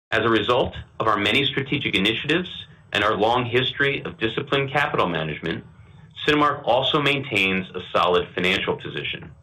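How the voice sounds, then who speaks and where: A man reading prepared remarks as a company executive on an earnings call, in a formal, measured corporate manner. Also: fairly low pitch, bright, forceful tone, low-quality recording. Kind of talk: scripted earnings call presentation.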